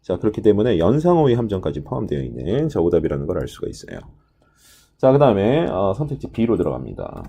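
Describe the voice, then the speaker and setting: Deep raspy guy lecturing test prep, swings his pitch around a lot, slows down on key words. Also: very animated, mellow. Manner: explanatory, frequent "자" and "예" fillers, drawn-out emphasis on key words. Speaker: TOEIC listening instructor. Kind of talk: video lecture explaining test answers.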